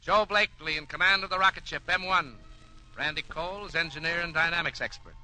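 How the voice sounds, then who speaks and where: A man's voice: fairly high pitch, a little fast, sharp tone, rough recording. A man playing the dramatic announcer of a space adventure serial in old radio drama style, narrating with grave suspense. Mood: suspenseful. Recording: old radio recording with music.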